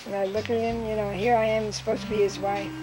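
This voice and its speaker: An older woman recounting memories from her life in an interview, telling stories lively and acting out what people said. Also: medium pitch, fast talker, noisy background. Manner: lively storyteller who acts out quotes with laughs.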